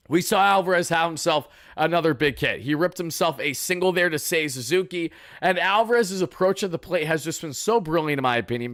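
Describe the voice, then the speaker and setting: A young man, hoarse from yelling, chatting through a baseball game recap for live viewers in a casual, boastful way. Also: a little high, no room sound, studio quality. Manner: chatty, boastful fan banter. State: raspy from yelling. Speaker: sports fan channel host.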